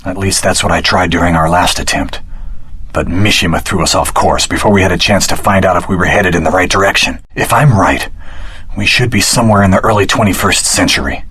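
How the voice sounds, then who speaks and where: An actor playing an earnest, determined young hero in a video game, with a dramatic, heroic delivery. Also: male voice, sits low, a little fast, a bit bright, slightly rough. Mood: serious, thoughtful.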